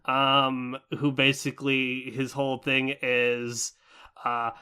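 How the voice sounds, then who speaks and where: Smooth-voiced young man rambling about anime. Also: mid-range voice, takes it slowly. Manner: rambling, many fillers, animated. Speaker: podcast co-host. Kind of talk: casual anime review chat.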